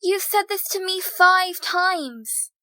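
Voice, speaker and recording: Woman acting an exasperated high-voiced bossy twin sister. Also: animated, slow pace, bright, forceful tone, dry recording, full character voice. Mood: irritated. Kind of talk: audio drama acting.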